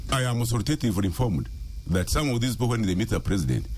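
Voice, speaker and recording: In a room with audible echo, a man of medium pitch talks very fast with lively intonation and vocal fry. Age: 60s. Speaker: politician. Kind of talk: radio talk show discussion.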